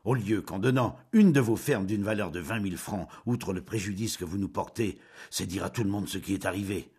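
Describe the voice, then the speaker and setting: A man voicing an angry, greedy young husband who shouts indignantly in an audiobook. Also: on the low side, sing-song, normal speed, vocal fry, breathy edge, full character voice. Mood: stern.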